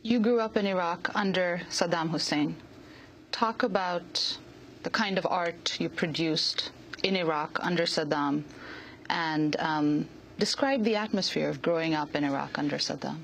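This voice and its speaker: A woman interviewer asking direct, measured questions. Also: lowish voice, vocal fry, a bit bright, a little hiss or hum, low-quality recording.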